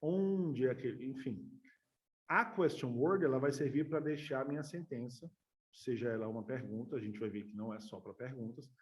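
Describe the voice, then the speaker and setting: A man's voice: mid-range voice, normal speed. A man with a Brazilian Portuguese accent, teaching an online English lesson, who explains patiently and keeps checking that students follow. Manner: explains patiently, repeats words and checks in with "certo?".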